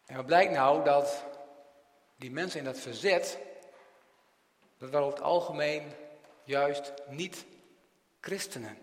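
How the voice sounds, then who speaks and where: A man's voice: a little high, measured pace, long pauses, echoey room, in a large hall. A man preaching a catechism sermon in a church, asking rhetorical questions and often tagging his sentences with "hè". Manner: rhetorical questions, frequent tag "hè", strong swings in loudness.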